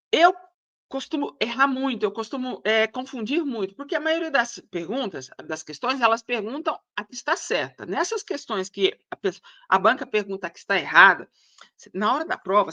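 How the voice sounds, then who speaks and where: A woman walks through practice questions in a casual, chatty way, often pausing to think out loud. Her voice is bright and forward and sits a little high. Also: lo-fi sound. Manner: chatty, thinks aloud, keeps asking "tá?". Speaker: exam prep teacher. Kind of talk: screen-share lesson.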